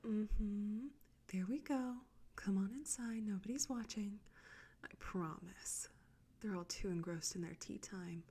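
A woman whispering close to the mic in a soft, coaxing, teasing audio roleplay. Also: medium pitch, unhurried, slightly rough.

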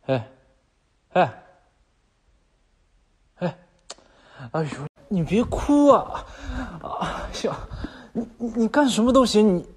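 List: man voicing a stammering apologetic boyfriend, high voice, pleading, roleplay audio drama. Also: big pitch swings, unhurried, slightly rough, full character voice. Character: remorseful young boyfriend soothing his crying girlfriend.

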